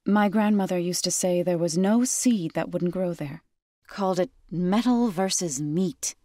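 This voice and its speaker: Zo, a woman as a solemn, low-voiced tribal healer. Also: warm tone, no room sound, clean studio sound, lightly acted. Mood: calm, informative. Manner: measured, grave, formal phrasing. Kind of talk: scripted video game character dialogue.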